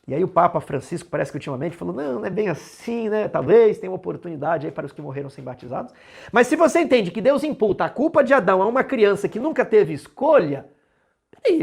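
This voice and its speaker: Male Bible teacher, husky voice, very lively pitch, rhetorical questioning. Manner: emphatic, rhetorical questions, animated rises and drops. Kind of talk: lively explanatory lesson.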